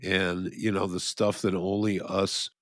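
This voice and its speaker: A man's voice: sits low, little pitch movement, unhurried, dry recording. Dry-sounding rambling male podcast co-host. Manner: rambling, restarts often, laughs at own jokes. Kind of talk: casual philosophical chat.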